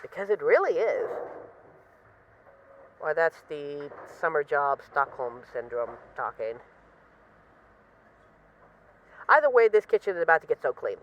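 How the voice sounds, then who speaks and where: A woman's voice: deep voice, sing-song, normal speed, highs cut off, slight background noise. A woman acting as a bored, restless mafia boss who misses a partner, talking in a wry, dramatic, rambling way in an intimate voice-message roleplay. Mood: restless, venting.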